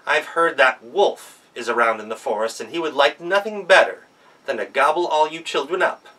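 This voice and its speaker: A caring mother goat from a children's tale speaks up high and firm, played by a man. She warns her kids with a rising, lively voice. The mic is set back from the speaker. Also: normal speed, recorded from a distance, rough recording. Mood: warning. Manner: firm, warning tone.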